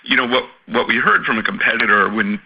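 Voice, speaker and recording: A man's voice: medium pitch, expressive, quick pace, breathy edge. A man asking a question as an analyst on an earnings call, hesitant and stammering into his phrases. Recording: dull conference call line.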